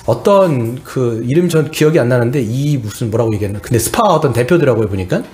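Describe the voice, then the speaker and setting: A man's voice: mid-range voice, animated, fairly quick, a little mellow. A middle-aged male pastor preaching a sermon, earnestly and often turning to address the congregation.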